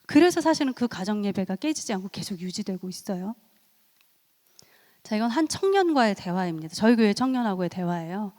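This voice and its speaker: A middle-aged woman giving a church family seminar talk. She tells lively stories, acts out what people said, and laughs often. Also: medium pitch, fairly quick. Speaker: seminar speaker and counselor. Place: church hall. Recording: echoey church hall.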